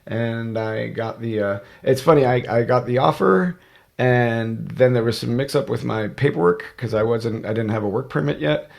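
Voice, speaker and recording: A man's voice: medium pitch, moderate pace, vocal fry, darkish tone. A man in his forties, a podcast guest telling his story in a rambling, casual way with many fillers and restarts. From United States. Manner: rambling, self-correcting storyteller with frequent fillers. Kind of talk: casual conversational interview.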